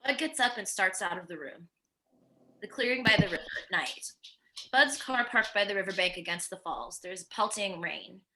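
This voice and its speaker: A woman's voice: medium pitch, pushed and bright. A woman narrating stage directions from a script at a virtual table read. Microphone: video call microphone.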